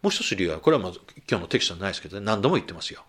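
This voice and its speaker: A man's voice: low-pitched, big pitch swings, racing, fairly bright tone, slight background noise. Man preaching, conversational then emphatic. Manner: asks the congregation questions. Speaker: pastor. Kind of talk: sermon.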